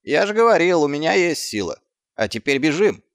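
Guy doing scrappy little mutt, high-ish pushy yap, lively, dry close sound. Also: moderate pace, vocal fry, no echo. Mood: panicky. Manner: higher, pushy and excitable. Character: small scruffy clever male mongrel dog. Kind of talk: audiobook character voice.

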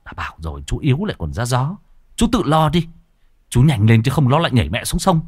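A man's voice: mid-range voice, sing-song, fast talker, darkish tone, breathy edge, no room sound, clean studio sound. A man doing a cheeky young village man. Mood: mocking.

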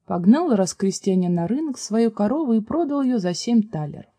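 A woman reads a fairy tale aloud, calm and measured. Her voice sits in a middle range. The sound is dry and close. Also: medium pitch, no room sound. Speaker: storyteller.

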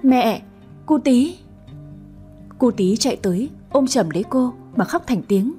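A woman's voice: on the high side, expressive, moderate pace, mellow, faint music behind. A woman reading a romance story aloud, narrating and voicing every character herself. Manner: reads every character herself, shifting tone for dialogue. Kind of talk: storytelling narration with voiced dialogue.

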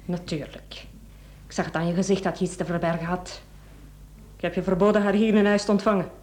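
An actress with a Flemish accent playing a cold, domineering, calculating wife in a radio play, commanding and clipped. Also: female voice, fairly low pitch, fairly even intonation, fairly quick, darkish tone, slight background noise, natural voice. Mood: stern, accusing. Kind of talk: Dutch-language radio play acting.

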